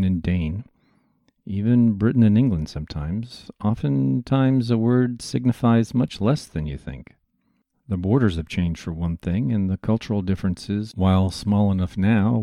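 A male history podcast host with a low, very mellow voice, recorded dry and close. He narrates from a script but wanders into chatty, lecturing asides. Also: no echo.

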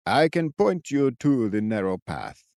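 Guy doing a creaky old forest watcher, slow and drawn out, swoops up and down, dry sound. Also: medium pitch, very animated, a little mellow, no room sound. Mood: mysterious. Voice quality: croaking, slow, theatrical. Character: cracked-voiced eccentric old male forest sentry.

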